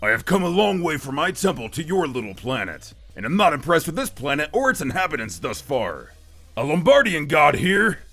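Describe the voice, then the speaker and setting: Guy doing a haughty war god, raspy and gravelly, bossy formal talk, swings around a lot, dramatic story. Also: a little high, big pitch swings, fairly quick, fairly bright tone, exaggerated voice. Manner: pompous, commanding, formal speech. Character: haughty, short-tempered, battle-hungry god of war. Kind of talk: dramatic fan-story character acting.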